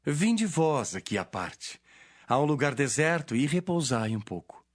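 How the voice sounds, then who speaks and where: A man playing a calm, commanding holy teacher in a dramatized audio Bible, measured and solemn. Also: medium pitch, no room sound, clean studio sound. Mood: calm, instructing. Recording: music behind.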